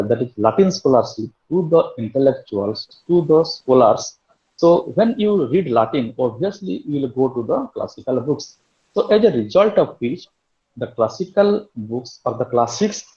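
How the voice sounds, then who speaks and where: A man's voice: mid-range voice, muffled recording. A man giving an online literature lecture as a university lecturer, explaining point by point with frequent restarts. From India. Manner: explaining step by step, with many restarts.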